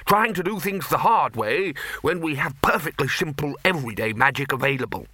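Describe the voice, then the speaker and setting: A fretful, timid bursar who speaks meekly and defers at every turn, as a man puts him on. The voice is lifted a little, with a bright tone. It is recorded dry and close. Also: fairly high pitch, lively intonation, brisk, slightly rough, dry recording, pitched above the performer's own voice, exaggerated voice. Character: timid fussy male university bursar.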